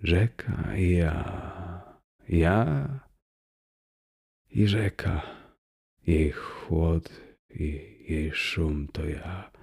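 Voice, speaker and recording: A man reading a warm, joyful young man in a storybook. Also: deep voice, very animated, slow pace, creaky, husky, heavily acted. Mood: hushed rapture.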